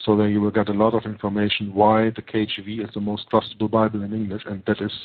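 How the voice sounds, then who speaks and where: Speaking in a German accent, a man talks at a fairly quick pace and a fairly low pitch, in a monotone, flat intonation. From Germany. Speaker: YouTube researcher on religion and conspiracy. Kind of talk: podcast interview monologue. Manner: hesitant, many fillers. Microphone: humming and buzzing on the line.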